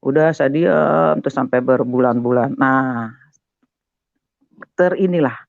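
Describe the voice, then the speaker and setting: An older man telling his conversion testimony as a guest, animated and talking straight to his listener. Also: medium pitch, slow pace, creaky, no echo. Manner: animated, keeps addressing the listener as "Pak". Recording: dull, muffled, dry sound.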